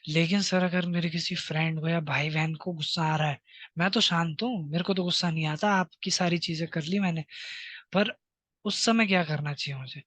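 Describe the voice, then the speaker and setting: A male teacher talks to schoolchildren in a higher-than-usual voice. His shows in the phrases he slowly dictates for them to repeat. The recording is dry and close, with no room sound. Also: a bit bright, no room sound. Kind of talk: classroom lesson to children.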